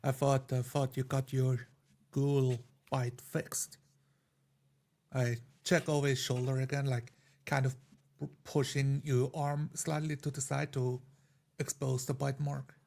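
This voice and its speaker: A man with a mid-pitched voice takes part in a tabletop roleplaying game. He speaks slowly with flat intonation, switching between his character's dialogue and first-person description of his actions. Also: gravelly.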